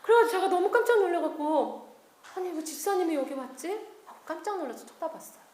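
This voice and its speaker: A woman missionary giving an animated testimony sermon in a church meeting hall, quizzing her audience as she tells her story. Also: sits high. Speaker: missionary preacher. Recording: echoey hall.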